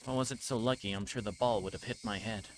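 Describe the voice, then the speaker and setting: A man with a fairly low voice reads visual novel text aloud on a livestream. His delivery is measured and a little halting. There is clear background noise in the recording. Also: steady tone. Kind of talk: reading game text aloud.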